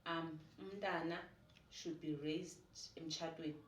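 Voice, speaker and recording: A woman's voice: deep voice, fairly even intonation, unhurried. A woman in her forties with a South African Xhosa accent, a podcast guest talking animatedly and switching between Xhosa and English. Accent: South African, Xhosa-speaking. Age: 40s. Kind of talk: casual conversational interview. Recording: echoey room, mic at a distance.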